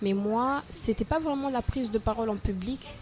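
Fairly slow delivery from a woman, her pitch fairly high and its variation ordinary. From Comoros. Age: 20s. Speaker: young entrepreneur. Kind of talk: interview. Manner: hesitant, many fillers.

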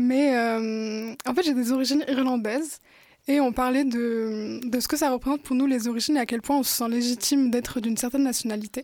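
A woman talks at a fairly quick pace in a high voice. Her tone is dark and mellow, with fairly even intonation. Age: 18. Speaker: university student. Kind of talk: casual chat.

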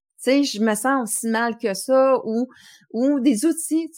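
A high-pitched female voice with ordinary pitch variation, on a very clean recording with a silent background. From Quebec, Joliette region. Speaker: life coach. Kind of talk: casual interview.

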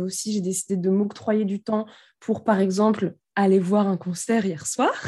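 Against a quiet background, a woman with an unremarkable speaking voice speaks at a moderate pace and medium pitch. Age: 30s. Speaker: marketing coach and entrepreneur. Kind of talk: casual chat.

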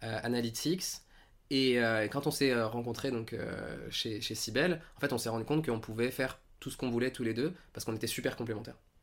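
In an unremarkable speaking voice, the speaker moves at a fairly quick pace with ordinary pitch variation. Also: man, medium pitch for a man. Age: 20s. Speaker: startup founder. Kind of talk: interview. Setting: at the host's home.

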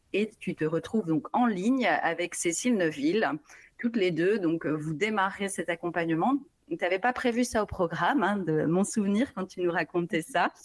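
With ordinary pitch variation, an ordinary speaking voice carries on at a moderate pace. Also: woman, medium pitch for a woman. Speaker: podcast host. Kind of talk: casual interview.

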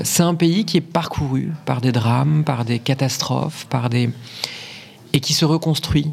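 Noticeable background noise sits behind a man speaking at a very slow pace with a fairly high pitch. His pitch varies in an ordinary way, and his loudness stays very even. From French Alps, Chambéry. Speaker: children's author. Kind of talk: interview testimony. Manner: halting, many repetitions and fillers.

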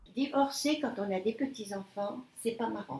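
A woman talks with a fairly high pitch. Noticeable background noise is present. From Paris region. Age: 80s+. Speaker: retiree sharing life story. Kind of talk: interview, personal testimony. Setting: unusual recording conditions. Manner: halting.

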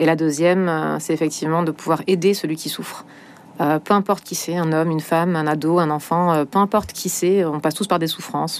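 A woman with an unremarkable speaking voice talks at a fairly quick pace, with a fairly low pitch and fairly even intonation. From Marseille, southern France. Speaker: pastor. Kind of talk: testimony.

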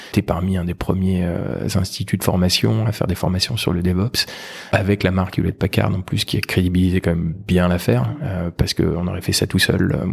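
A man's very deep, low voice at a fairly quick pace, with ordinary pitch variation and noticeable background noise. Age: 40s. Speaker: startup executive. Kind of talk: casual chat.

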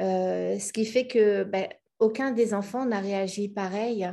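A woman of medium pitch has a dark, mellow tone and fairly even intonation against a quiet background. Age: 50s. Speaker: life coach. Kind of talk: interview. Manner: halting.

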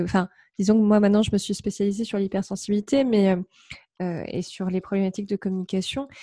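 A woman speaks at a fairly quick pace in a fairly high voice. Her tone is dark and mellow, and somewhat breathy. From France, Paris suburbs. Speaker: podcast host and coach. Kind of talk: interview.

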